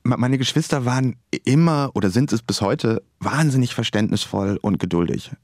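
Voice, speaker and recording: A man's voice: mid-range voice, normal speed, a little mellow, no room sound, studio quality. A man in his forties from northern Germany, a stuttering author speaking reflectively in a radio interview. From Bremerhaven, Germany. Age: 40s. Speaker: author and journalist guest.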